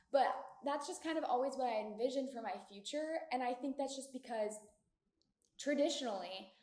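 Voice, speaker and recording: A woman's voice: medium pitch, a little mellow. A woman in her twenties hosting a casual solo podcast, talking in an upbeat, chatty way with lots of filler words, recorded in an echoey community room. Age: 20s. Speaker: podcast host. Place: echoey shared community room in an apartment building.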